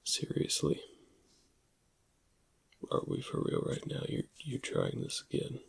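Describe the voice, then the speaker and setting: A man playing a shady alien dealer in black market antiquities, in a hushed, whispery ASMR roleplay with a gravelly voice and a musing manner. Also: lightly acted. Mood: suspicious, insistent. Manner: hushed, unhurried, musing over goods. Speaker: ASMR performer.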